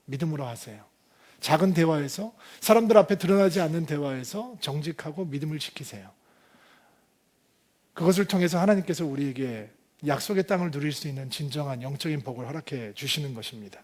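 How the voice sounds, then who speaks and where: A pastor delivering a sermon in a high, clear male voice. He presses his points with rhetorical questions to the congregation, stressing key words. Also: lively intonation, fairly quick, darkish tone.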